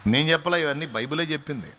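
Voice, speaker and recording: A man's voice: on the high side, very fast, sharp tone. A male pastor preaching a sermon, fervent, with his voice rising to emphatic peaks and quotes delivered dramatically.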